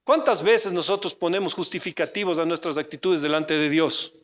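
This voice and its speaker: A man, a pastor from Ecuador, preaching a sermon. He asks the congregation questions and acts out the voices of the story with big swings in pitch and loudness. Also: normal speed.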